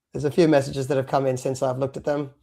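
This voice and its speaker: Co-hosting a live stream podcast, this man has a mellow, medium-pitched voice with vocal fry. He's chatty and rambles, leaning on lots of fillers, and came to Australia from abroad when he was three.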